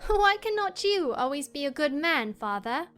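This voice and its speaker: Saucy spirited girl, very high and animated, voiced by a woman. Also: normal speed, faint music behind. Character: bold saucy young girl.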